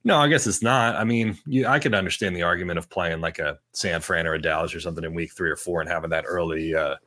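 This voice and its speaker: Deep-voiced, slightly nasal man talking fast. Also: sharp tone. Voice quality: slightly nasal, clogged-sounding. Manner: rambling, lots of restarts and fillers. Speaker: sports podcast co-host. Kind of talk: casual sports chat.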